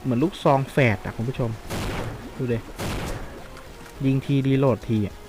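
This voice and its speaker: A man giving casual, chatty commentary while playing a mobile shooter game, reacting loudly to the action. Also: mid-range voice, steady tone, normal speed. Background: game music.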